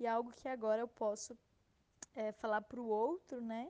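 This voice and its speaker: Fairly slow delivery from a woman with a fairly high pitch, fairly even intonation and a dark, mellow tone. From Brazil, Goiás (Goiânia). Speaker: long-distance bicycle traveller. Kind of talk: interview (pre-recorded answers). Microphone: recorded separately, connection problems.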